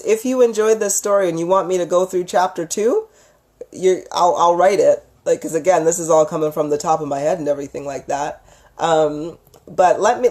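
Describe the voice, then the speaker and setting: A woman's voice: lowish voice, a little mellow. A woman hosting a casual livestream, chatting informally and gushingly with viewers as a storyteller, using affectionate endearments. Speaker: livestream host, storyteller and psychic healer.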